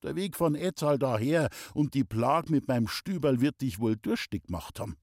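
A man reading an audiobook, voicing a calm young woodcarver with a Bavarian accent, gentle and coaxing. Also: medium pitch, normal speed, dry recording, studio quality.

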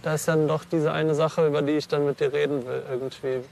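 Hesitant young German man, gravelly. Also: on the high side, flat delivery, fairly quick, a little mellow, a little hiss or hum. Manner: hesitant, many fillers and restarts. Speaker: interviewee. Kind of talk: casual interview answers.

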